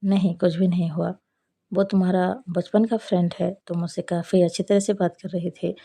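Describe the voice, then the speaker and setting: A woman's voice: on the low side, flat delivery, normal speed, gravelly, dark tone. A woman voicing a jealous, sulking young woman in a storybook. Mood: sulky. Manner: sulky, pleading. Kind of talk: storybook narration.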